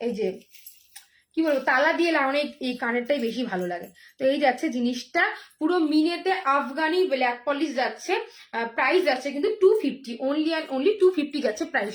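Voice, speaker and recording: A hoarse woman selling jewellery on a live stream, chatty and repetitive, with many fillers and drawn-out phrases. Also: sits high. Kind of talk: live sales pitch.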